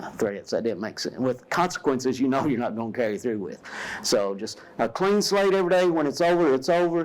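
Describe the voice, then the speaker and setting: Fairly high-pitched, a man speaks at a fairly quick pace. His pitch swings very widely. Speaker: education trainer. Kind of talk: teacher workshop presentation. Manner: fast, stumbling when nervous; conversational, folksy.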